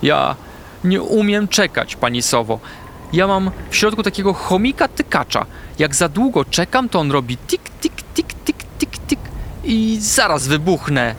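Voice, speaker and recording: A man's voice: high voice, very animated, moderate pace, fairly bright tone, a little hiss or hum, voice pushed up, full character voice. A man voicing a small, impatient and dramatic male hamster who whines and complains in a storybook reading. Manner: whiny, exaggerated complaining.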